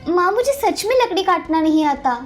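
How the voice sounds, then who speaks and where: A meek, tearful young cartoon girl speaks in a high, soft voice, as a woman acts her out. She sounds gentle and pleading, eager to obey. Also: expressive, normal speed, soft background music. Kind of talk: cartoon voice acting.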